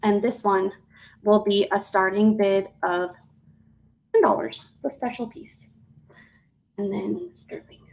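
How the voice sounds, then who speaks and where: A woman's voice: mid-range voice, takes it slowly, creaky, long pauses, a little mellow, rough recording. A woman hosting a live jewelry auction stream, chatting casually and rambling with fillers and self-corrections as she shows each piece.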